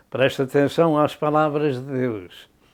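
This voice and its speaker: Speaking with a European Portuguese accent, a man has a fairly high pitch and fairly even intonation at a fairly slow pace. The background is quiet. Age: 80s+. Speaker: preacher. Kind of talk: sermon.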